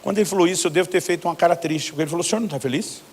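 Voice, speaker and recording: Brazilian pastor guy, middle-aged, kinda high voice, preaching and telling stories, acts out the dialogue. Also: rapid-fire, a little hiss or hum. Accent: Brazilian Portuguese. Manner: animated storyteller acting out both sides of conversations. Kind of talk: sermon storytelling with quoted dialogue.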